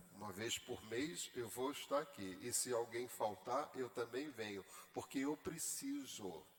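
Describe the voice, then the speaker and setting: A man's medium-pitched voice, very slow in pace yet lively in intonation. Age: 70s. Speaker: spiritist lecturer. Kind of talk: lecture.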